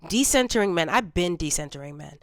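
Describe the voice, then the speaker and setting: A woman in her forties talking candidly in a reflective personal vlog, congested from a cold and low on energy. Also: lively intonation, brisk, no echo, clean studio sound. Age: 40s. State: congested, dry cough. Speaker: vlogger.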